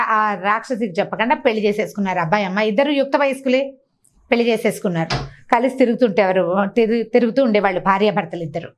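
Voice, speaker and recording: Fast-talking woman telling folk tales. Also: medium pitch. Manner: quick, lively narration with voiced characters. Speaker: storyteller. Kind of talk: oral folk-tale storytelling.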